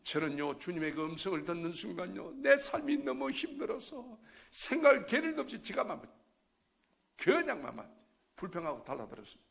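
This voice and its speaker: A middle-aged man, a church elder, giving an emotional testimony sermon that swings from hushed pleading to loud exhortation. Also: sits high, very animated, moderate pace, gravelly.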